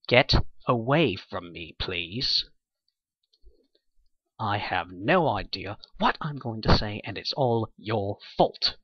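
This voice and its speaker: Guy doing snooty irritable pony dude for a video game, slow drawl w big pitch swings, sarcastic, kinda dull mic. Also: slightly rough, no echo, full character voice. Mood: dismissive irritation. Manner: haughty, sarcastic, dismissive. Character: condescending, irritable, self-important male pony. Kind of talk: character voice audition for a fantasy game.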